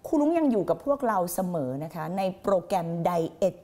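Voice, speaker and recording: A woman's voice: mid-range voice, sing-song, fairly quick, warm tone. A woman life coach on a late-night motivational live stream, blunt and crude with heavy slang, fiery and intense as she answers viewers. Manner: fiery and intense, reads viewer comments aloud.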